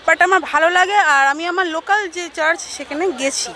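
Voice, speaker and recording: High, bright Bengali woman, hesitant. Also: quick pace, some chatter behind. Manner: hesitant, restarts, mixes in English. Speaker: interviewee, churchgoer. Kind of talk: casual street interview answer. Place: crowded churchyard lawn outdoors. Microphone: reporter's handheld mic.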